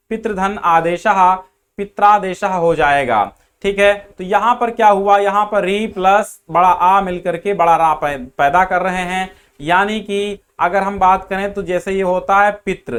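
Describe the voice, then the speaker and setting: Guy teaching grammar online, high clear voice, repeats answers back to the class. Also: fairly bright tone. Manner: explains step by step, repeats answers, addresses students as beta. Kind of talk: online exam-prep class.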